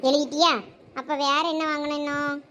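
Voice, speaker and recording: A voice actor playing a fussy older mother-in-law in a cartoon, checking and instructing, with a squeaky sped-up voice. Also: monotone, a little fast, pushed and bright, a little hiss or hum. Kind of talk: cartoon voice acting.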